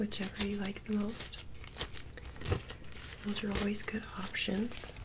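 A woman speaks softly. Background noise is noticeable. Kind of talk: ASMR role-play, soft calm talk to viewer. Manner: soft-spoken, gentle, calm ASMR voice. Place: home room.

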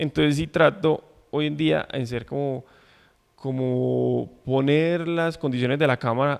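In a Colombian paisa accent, a man talks at a fairly slow pace with a fairly high pitch. His pitch varies an ordinary amount, and the background is quiet. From Colombia, Envigado (Antioquia). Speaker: photographer and physiotherapist; guest. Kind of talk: TV interview. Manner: halting, repeats words. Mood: relaxed, enthusiastic. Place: studio. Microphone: handheld.

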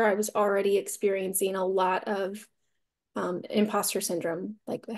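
Moderate in pace, a woman's speech moves along. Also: quiet background. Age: 20s. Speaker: coaching client. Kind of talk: testimony. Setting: video call. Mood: candid, reflective. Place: home room. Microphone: video call.

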